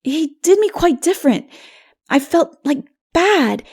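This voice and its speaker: Lady doing a scared earnest little boy from a storybook, really high voice, halting and innocent. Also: lively intonation, darkish tone, exaggerated voice. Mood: distressed, earnest. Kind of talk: dramatic audiobook character reading.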